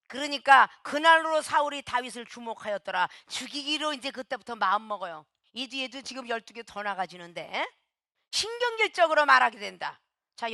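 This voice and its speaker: Female pastor, middle-aged, forceful preaching, high voice with gravel, dry close sound. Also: no echo. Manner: emphatic preaching that acts out quoted speech, rising to near-shouts. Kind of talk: sermon.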